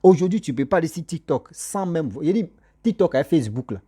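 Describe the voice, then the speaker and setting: A man's voice: on the high side, expressive, fast talker, mellow, husky. A man lecturing his viewers in a monologue, scolding them and repeating his points as he addresses them directly. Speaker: social commentator. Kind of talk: moralizing monologue to camera.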